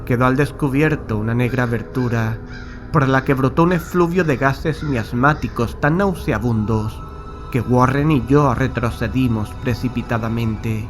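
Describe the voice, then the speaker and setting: An actor playing a haunted, nervous man who recounts a graveyard horror in a solemn, measured, literary way. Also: medium pitch, over music, close to an everyday voice. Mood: grave, uneasy. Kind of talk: scripted horror audiobook narration. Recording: clear background noise and ambience.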